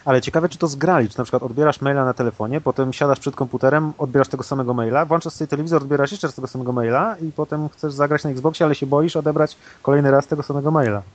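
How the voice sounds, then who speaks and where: A man's voice: mid-range voice, fairly even intonation, very fast, hardly any pauses, lo-fi sound. Casual joking man in gaming chat. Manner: casual, joking, laughs often. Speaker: gaming commentator. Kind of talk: casual chat watching game trailers.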